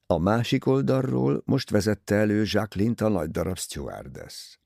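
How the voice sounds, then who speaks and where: A man narrating an audiobook in an expressive, dramatic reading. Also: lowish voice, vocal fry, dry recording, clean studio sound. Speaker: audiobook reader. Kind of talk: scripted narration.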